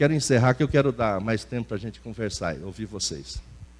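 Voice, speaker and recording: The intonation is lively. The pace runs fairly quick. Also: man. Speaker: pastor. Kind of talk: sermon. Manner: animated.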